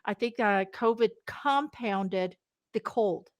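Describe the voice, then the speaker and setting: A woman hosting a podcast interview, bubbly and energetic, talking with many fillers and restarts. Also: medium pitch, slow pace. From Canada. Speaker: podcast host.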